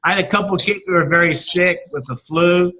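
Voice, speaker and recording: Man, teacher, halting chatty talk, bright tense voice, slightly high. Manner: halting, many restarts and fillers. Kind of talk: casual video-call chat.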